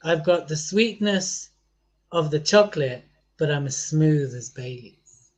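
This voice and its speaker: Playful, teasing podcast host. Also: male voice, a little high, lively intonation, unhurried. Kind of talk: casual podcast chat.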